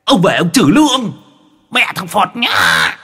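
A man voicing an old male spirit medium who curses in loud shouts. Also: high-pitched, wildly swooping pitch, takes it slowly, slightly rough, in a large hall, voice pushed up, heavily acted. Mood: furious. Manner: shouted cursing.

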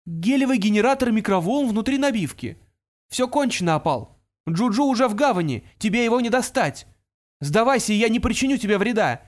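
Man playing a calm smart teen boy, measured and steady, a bit higher voice. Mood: defiant. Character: cool-headed teenage boy genius, hurt but calm. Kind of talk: audiobook character voice.

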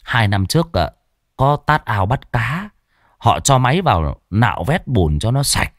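A man's voice: medium pitch, big pitch swings, measured pace, dry recording, studio quality. A man voicing a nervous, humble middle-aged homeowner who stammers and speaks deferentially. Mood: anxious.

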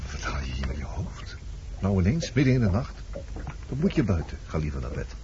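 A man's voice: sits low, huge pitch swings, brisk. An actor in a Dutch radio play playing a weary, reluctant man, a practical sailor with a curt way of talking. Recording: dull, noisy old radio play recording.

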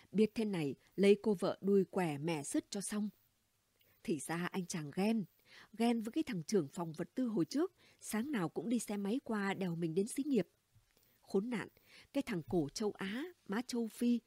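Gossipy middle-aged neighbor lady, read by a woman, blunt and chatty, soft breathy voice. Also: mid-range voice, no room sound. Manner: chatty, blunt, conspiratorial storytelling. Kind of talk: audiobook character dialogue.

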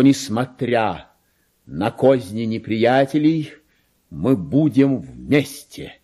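A husky, wildly swinging mad clerk. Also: male voice, full character voice. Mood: smug, confiding. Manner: grandiose, erratic, swinging from hushed confiding to shrill outbursts. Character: deluded mad petty clerk, secretly believing himself Spanish king. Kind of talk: theatrical dramatic monologue, radio play.

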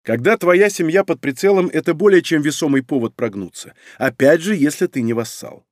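A man's voice: fairly high pitch, a little fast, a little mellow, no echo, clean studio sound. A man narrating a first-person audiobook in a wry, conversational storytelling manner.

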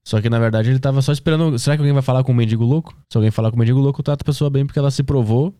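Um homem brasileiro do sul, gripado, conversando num podcast com piadas e palavrões. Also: male voice, medium pitch, warm tone, smooth, no room sound, studio quality. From southern Brazil. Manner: quick, joking banter with curse words. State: has a cold. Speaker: podcast co-host. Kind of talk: casual chat.

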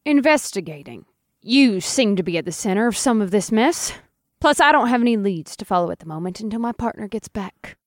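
A man voicing a stern, suspicious female federal agent with a clipped, gruff way of talking. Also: high voice, lively intonation, fairly quick, no room sound, clean studio sound, voice pushed up.

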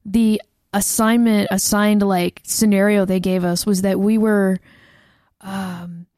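A young American woman co-hosting a casual chat show, telling a story with lots of fillers and quick laughs. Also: medium pitch, little pitch movement, a little mellow, dry recording, studio quality. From United States. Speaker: podcast co-host.

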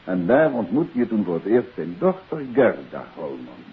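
An actor playing a composed amateur detective in a 1950s radio drama, questioning in a measured, insistent way. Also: male voice, deep voice, wildly swooping pitch, slightly rough, heavily acted. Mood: calm, probing. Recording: hissy old phone-like radio recording.

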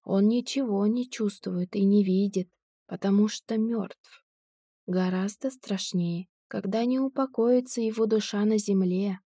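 A woman voicing a drunk, cold-blooded male tramp who robs graves, speaking slowly and sneeringly in an audiobook. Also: medium pitch, mellow, breathy edge, no room sound, clean studio sound.

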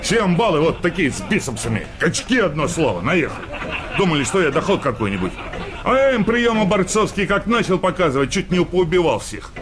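An actor playing a boastful, suspicious working-class husband in a radio comedy, speaking coarse colloquial with a bragging, needling manner. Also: male voice, on the high side, sing-song, a little fast, noisy background. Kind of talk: radio comedy play acting.

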